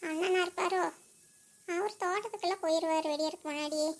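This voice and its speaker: A woman voicing a young pregnant wife in a cartoon, longing for her husband who has been away. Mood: longing, teasing. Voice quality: very high and quick. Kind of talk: cartoon voice acting.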